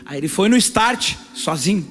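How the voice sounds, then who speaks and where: Male pastor, high-pitched, storytelling sermon delivery, faint music behind. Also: lively intonation, moderate pace. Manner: storytelling, shifts from loud emphatic passages to hushed intimate ones. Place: church service on a theater stage.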